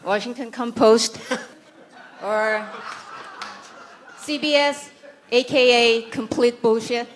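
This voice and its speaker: A woman's voice: a little high, takes it slowly, pauses often, background noise. Korean-accented woman giving a dryly sarcastic speech. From South Korea. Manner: dry sarcastic humor with mock-serious asides. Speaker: conference speaker. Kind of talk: prepared conference speech.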